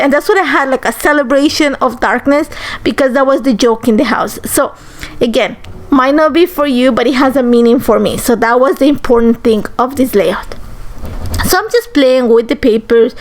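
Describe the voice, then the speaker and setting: A woman in her forties from Ecuador, chatting easily through a crafting tutorial voice-over with lots of ums and likes. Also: high voice. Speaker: crafter on a design team.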